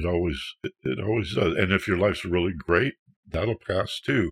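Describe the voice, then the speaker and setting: Very deep and low, a man's somewhat breathy voice moves at a fairly slow pace. The sound is dry and close, with no echo. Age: 70s. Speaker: spiritual teacher and podcast host. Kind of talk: lecture. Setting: online class on Zoom.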